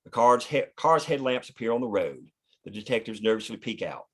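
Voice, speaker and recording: Man reading screenplay directions, medium pitch. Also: animated, brisk. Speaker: stage-direction narrator. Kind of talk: scripted narration, screenplay table read.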